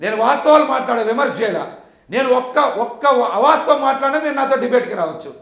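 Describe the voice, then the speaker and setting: A man's voice: very high-pitched, expressive, very fast, creaky, a bit bright. A man in a heated political debate, combative and insistent, repeating his challenges over and over. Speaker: political party leader as debate guest.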